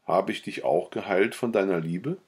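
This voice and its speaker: A man's voice: low-pitched, moderate pace, darkish tone, breathy edge. A man reading Filippo, a desperate lovesick nobleman. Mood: pleading, desperate. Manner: pleading, impassioned.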